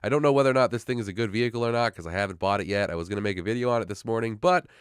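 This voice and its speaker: A man's voice: lowish voice, clean tone, no echo, studio quality. A man hosting a casual gaming update video while sick with a sore throat, pushing through with an upbeat rundown. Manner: fast, upbeat despite being sick. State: sick, hoarse. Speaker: gaming channel host.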